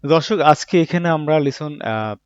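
A man's voice: on the high side, measured pace, clear, resonant tone, dry recording. A man teaching Japanese vocabulary. He says each word, then explains it with everyday examples, often asking a question and answering it himself. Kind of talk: vocabulary lesson in Bangla. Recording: dull, muffled recording in a dry room.

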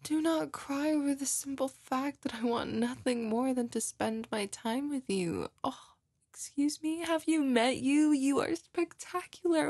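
A woman's voice: sits high, darkish tone, no room sound. A woman playing a doting, lovey girlfriend in an intimate, cooing roleplay ASMR, tenderly comforting and gushing over her partner up close. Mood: playfully incredulous, gushing. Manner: cooing, gushing, breathy, often giggling. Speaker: roleplay audio performer.

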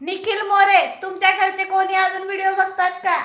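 Woman livestream host, high bright voice, unhurried, teasing, laughs a lot, echoey room. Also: completely flat delivery. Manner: chatty, teasing, laughs often. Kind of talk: casual live chat reading viewer comments.

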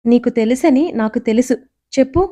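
A woman's voice: on the high side, normal speed, warm tone, close to an everyday voice. A woman storyteller voicing a young married woman who asks eager, worried questions of an old friend. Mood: curious. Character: young married woman, curious, anxious, caring.

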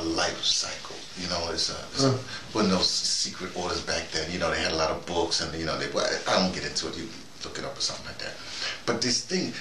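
An American man in his early sixties giving a rambling, informal monologue, halting and digressive, often repeating himself. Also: sits low. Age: early 60s. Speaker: vlogger. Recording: roomy, noisy, distant microphone.

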